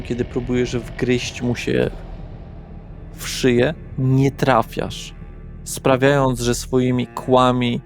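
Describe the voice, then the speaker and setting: A man running a tabletop horror role-playing session as game master, narrating scenes and talking through rules. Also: medium pitch. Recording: background music under the voice. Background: music.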